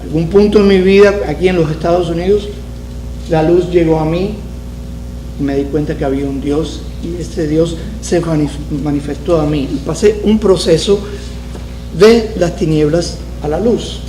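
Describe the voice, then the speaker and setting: A man's voice: fairly high pitch, steady tone, moderate pace, mellow, echoey room, slight background noise, poor audio. A man from Cuba, teaching a Bible study to a congregation, repeating key phrases and asking them questions. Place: church sanctuary.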